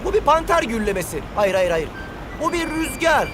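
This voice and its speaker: A man's voice: very high-pitched, very animated, normal speed, noisy background. A man voicing an eager, know-it-all boy scout footballer in a cartoon dub. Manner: earnest, eager to show off. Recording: studio dub with music behind.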